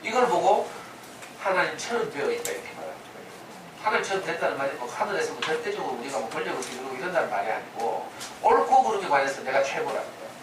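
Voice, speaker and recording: A man's voice: a little high, sing-song, quick pace. A man giving a parenting lecture in a conversational way, full of rhetorical questions and acted-out quotes. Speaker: lecturer in a parenting humanities class. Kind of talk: lecture with sermon-like storytelling. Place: lecture room. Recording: echoey room from a distance, noisy.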